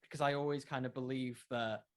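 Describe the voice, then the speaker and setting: A man's voice: mid-range voice, steady tone, brisk. A man who makes a podcast, answering in a casual interview, explaining his views with plenty of qualifiers. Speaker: podcast creator being interviewed.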